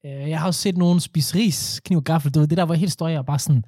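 A man in relaxed podcast chat, easygoing and chatty, dropping in English slang. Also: a little high, no echo, clean studio sound. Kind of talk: casual chat.

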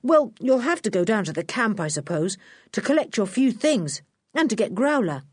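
A woman's voice: on the high side, very animated, moderate pace, husky, no echo, studio quality. A woman voicing a sensible, well-spoken schoolboy who talks politely and earnestly. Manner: polite, earnest, proper English phrasing.

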